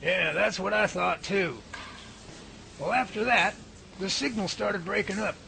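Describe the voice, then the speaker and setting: A man playing a professor who calmly reasons things out and takes charge, in an amateur radio drama. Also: sits high, measured pace, gravelly, exaggerated voice. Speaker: professor leading a research lab. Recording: noisy amateur recording.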